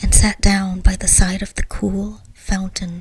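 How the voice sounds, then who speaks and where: Whispering, a woman takes her words at a fairly slow pace. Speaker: ASMR storyteller. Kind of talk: reading aloud; casual chat.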